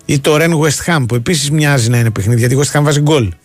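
A man's voice: mid-range voice, soft background music. Man thinking aloud on sports radio. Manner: thinking aloud, hesitant, many fillers and restarts. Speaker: radio sports show co-host. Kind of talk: casual chat. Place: radio studio.

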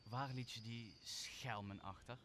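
A man's voice: mid-range voice, steady tone, a little slow, sharp tone. A man acting a vengeful magician who commands spirits in a Shakespeare radio play, solemn and authoritative. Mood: commanding, satisfied. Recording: faint background noise.

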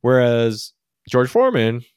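A man's voice: medium pitch, big pitch swings, measured pace, a little mellow, smooth, dry recording, studio quality. A man co-hosting a podcast, explaining money topics in a loose, chatty way and often checking in with "right?". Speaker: podcast co-host. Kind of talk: casual finance chat.

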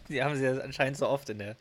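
A man's voice: medium pitch, fairly quick. A man co-hosting a podcast, chatting casually with short replies and agreeing remarks. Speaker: podcast co-host.

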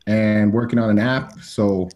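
Male American interview guest, mellow and relaxed, lower pitch, conversational personal storytelling. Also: measured pace, highs cut off. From Miami, Florida, USA.

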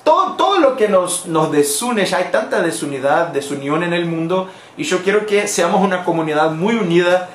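Brazilian guy teaching languages on a live stream, high voice, bouncy, roomy echo. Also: animated, moderate pace, few pauses, a little hiss or hum. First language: Portuguese. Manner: playful, laughs often, switches between languages. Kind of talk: casual live-stream lesson.

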